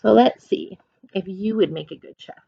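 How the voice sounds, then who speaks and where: A woman's voice: medium pitch, normal speed, creaky, husky, no echo. Woman reading aloud to kids, slightly muffled. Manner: explains in simple, kid-directed questions. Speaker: teacher reading aloud to children. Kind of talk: children's read-aloud with chatty explanations.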